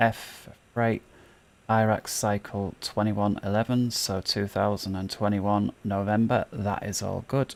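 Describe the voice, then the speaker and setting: A man mumbles quietly at a fairly slow pace. His pitch is fairly low and his intonation fairly even. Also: very clean recording, silent background. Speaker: flight simulator streamer. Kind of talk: live gameplay commentary. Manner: quiet, kept down; mumbling.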